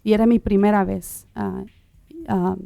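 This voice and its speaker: A middle-aged woman born in Uruguay telling her personal testimony in conversation, halting, with many fillers and restarts. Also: medium pitch, little pitch movement, creaky, dark tone, dry recording, studio quality. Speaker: guest sharing her testimony.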